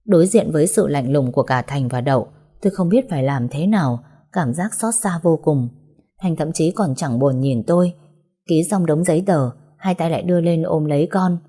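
Mellow-voiced woman narrating a sorrowful story. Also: deep voice, normal speed, husky. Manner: sorrowful, heartfelt emotional reading. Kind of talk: first-person audiobook storytelling.

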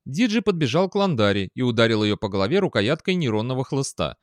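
A man narrating a science fiction audiobook in an expressive manner. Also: mid-range voice, fast, dry recording, studio quality. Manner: expressive, with a lively tone. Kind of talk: scripted narration.

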